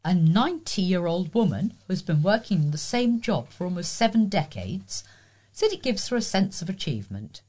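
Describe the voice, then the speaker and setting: A woman reads local news and columns from a script as a volunteer reader. Her slightly low voice has a breathy, husky grain, and her pitch moves in animated swings. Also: normal speed. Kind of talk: read-aloud local news and magazine column.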